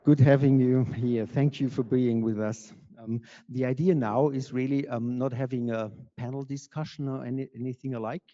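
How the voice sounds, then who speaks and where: A man introducing a lecture as organizer and moderator, talking haltingly with many fillers. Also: medium pitch, fairly even intonation, dark tone. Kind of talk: hesitant spoken introduction. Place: lecture hall. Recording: lo-fi with long hall reverb.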